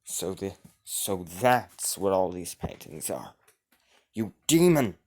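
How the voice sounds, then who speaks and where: A calm, honorable knight king, as a male storyteller puts him on, with slow, measured, formal speech. His pace is unhurried throughout. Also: low voice. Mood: outraged.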